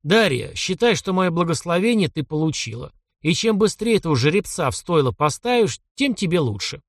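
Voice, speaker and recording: A domineering grandfather of seventy-five, voiced by a male reader, barking blunt orders and teasing jokes. His voice swings with lively pitch and sits fairly high for a man. The recording is close and dry. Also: fairly quick, no echo. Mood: gruff bossy. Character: gruff 75-year-old count, domineering bossy grandfather.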